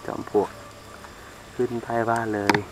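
A young man in a casual vlog, speaking in a hushed, slightly nervous way as he searches and describes what he sees. He is recorded on a handheld camera outdoors at dusk, with a faint bed of insect noise around him. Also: a little slow. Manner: hushed, uneasy, talking to viewers while searching. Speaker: vlogger exploring abandoned sites. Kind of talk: casual on-the-spot vlog talk. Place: outdoors in a rural forest clearing at dusk. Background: crickets and insects.

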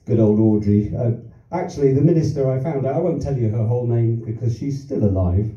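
A man's voice: medium pitch, brisk, warm tone. An older man from London doing a stand-up routine on a small theatre stage, rambling through anecdotes with self-deprecating asides and chuckles. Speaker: stand-up comedian. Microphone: handheld mic, filmed from the audience. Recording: roomy, distant, dull audience recording.

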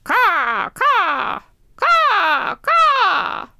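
A woman voicing a hungry, polite crow in a children's puppet show, squawking, creaky and theatrical. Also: very high-pitched, huge pitch swings, extremely slow, pushed and bright, no room sound, studio quality, voice pushed up, exaggerated voice.

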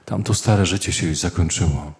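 A man preaching a sermon as a priest, earnest and speaking in short phrases with pauses. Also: low-pitched.

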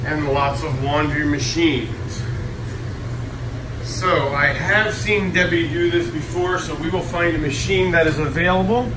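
A middle-aged man hosting a travel vlog, walking through a cruise ship laundry room and chatting in a friendly, self-deprecating way. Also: on the high side. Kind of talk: casual how-to vlog narration. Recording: echoey room, distant mic, hum.

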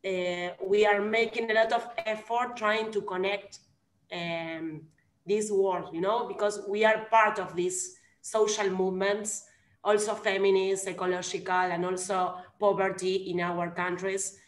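A woman's voice: mid-range voice, steady tone, measured pace, roomy sound. A young woman from Argentina with an Argentine Spanish accent, speaking English earnestly on a video call from home and searching for words. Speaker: conference participant. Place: room at home.

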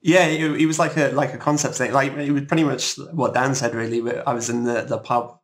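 A man's voice: mid-range voice, fairly even intonation, fairly quick. A man from the UK chatting casually as a composer guest, hesitant and often repeating words. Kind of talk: casual interview chat.

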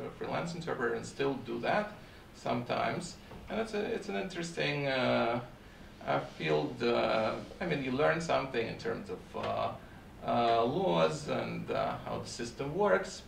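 A middle-aged man from Ukraine with a Russian accent, a court interpreter speaking on a panel in a halting way with many fillers. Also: mid-range voice, creaky, slight background noise. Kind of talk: panel talk. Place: university seminar room. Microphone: far camera. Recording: echoey room from far off.

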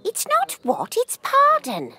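A woman's voice: very high-pitched, wildly swooping pitch, takes it slowly, sharp tone, heavily acted. A woman voicing a chirpy, prim, dotty elderly lady in a comedy cartoon, with an eager, sing-song delivery. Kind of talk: animated comedy character acting.

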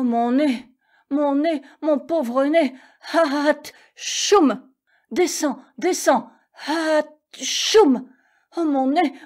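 A woman doing a loud, blustering lion king. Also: mid-range voice. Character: proud male lion king, quick to rage.

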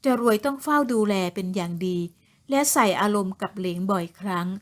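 A woman narrating an audio novel in a steady, even reading voice. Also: mid-range voice, a little fast. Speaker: storyteller.

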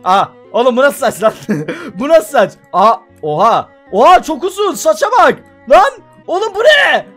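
A man with a very high, bouncy voice talks through a game for his viewers, excitable and often laughing. His pitch leaps up and down as he reacts, and faint music plays behind him. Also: moderate pace. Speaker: gaming video host. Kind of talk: casual let's-play commentary.

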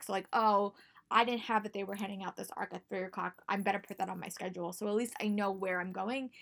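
A woman's voice: mid-range voice, fairly bright tone. A young American woman giving casual, chatty advice to camera in a small room at home, speaking emphatically and repeating words for stress. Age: young adult. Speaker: book vlogger.

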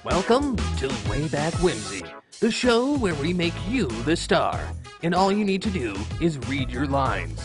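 A showy, genial game show host acted by a man narrates with animated, swooping delivery. The scripted comic audio drama has music faintly underneath. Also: fairly high pitch, measured pace, few pauses. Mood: upbeat, showy.

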